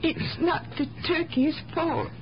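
A woman's voice: high voice, steady tone. An actress playing a timid, apologetic older woman in a radio drama, speaking hesitantly, on an old radio recording. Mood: distressed, wistful. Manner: hesitant, halting, polite. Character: timid, apologetic older mother, lonely and flustered. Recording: dull, noisy 1970s radio recording.

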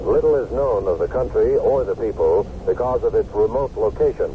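Man playing a sober, low-voiced radio newscaster. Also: lively intonation, close to an everyday voice. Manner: measured, impersonal. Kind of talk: news bulletin in 1970s radio drama. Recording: muffled, noisy 1970s radio broadcast.

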